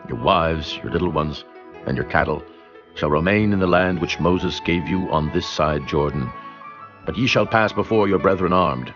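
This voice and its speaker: A man playing a grave, commanding Israelite leader in a dramatized scripture audiobook, measured and authoritative. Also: sits low. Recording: dull, muffled audio. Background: music.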